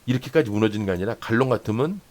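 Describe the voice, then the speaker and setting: A man's voice: on the low side, expressive, racing, a little mellow. A man hosting a stock trading channel, walking viewers through a chart and repeating points for emphasis. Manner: explanatory, points along a chart with many "here" and "this much"; repeats phrases for emphasis, asks "right?" often. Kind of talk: chart-analysis lesson for day traders.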